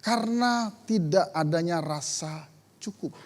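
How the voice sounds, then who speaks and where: High-voiced pastor preaching in a reverberant church. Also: male voice, unhurried, slight background noise. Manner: conversational preaching, rising to emphatic declarations. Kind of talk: sermon. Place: church sanctuary.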